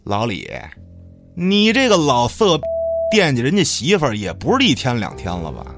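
Man acting fiery village tough, wildly swinging pitch. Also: huge pitch swings, moderate pace, music in the background. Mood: taunting, scornful. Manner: coarse, cursing, accusing, taunting. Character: hot-tempered, suspicious village tough trapped with a killer. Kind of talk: Chinese radio drama acting.

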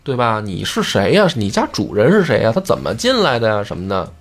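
A man's voice: lowish voice, huge pitch swings, fairly quick, heavily acted. A man voicing a flustered, huffy elderly male judge who protests in exasperation. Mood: puzzled.

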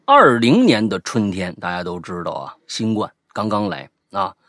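A man co-hosting a casual podcast, reading out a listener's ghost story with lively asides and banter. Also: fairly low pitch, moderate pace, dry recording, clean studio sound. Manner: lively, animated retelling with asides.

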